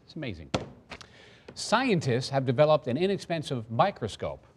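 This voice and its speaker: A man's voice: mid-range voice, sing-song, normal speed, background noise. A man co-anchoring live morning news, reading short items and tossing in playful, wry remarks. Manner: playful, wry quips with restarts.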